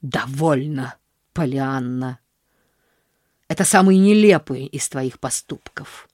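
A woman voicing a stern, strained older aunt who speaks in a sharp, clipped, scolding way. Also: very deep voice, slow pace, no echo, studio quality, pitched below the performer's own voice, heavily acted.

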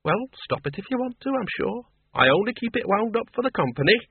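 A sharp, blunt older farm woman, as a male reader puts her on, her voice pitched high and swinging widely. It comes through husky and dry, with a thin phone-line sound. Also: big pitch swings, dry recording, full character voice. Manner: brisk, quick to jab with questions. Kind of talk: audiobook character voice.

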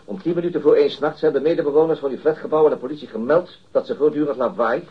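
In a radio drama interrogation, an actor plays a male police detective inspector questioning a witness, formal, persistent and politely insistent as he coolly applies pressure. His voice is husky and medium-pitched, and the recording has its highs cut off.

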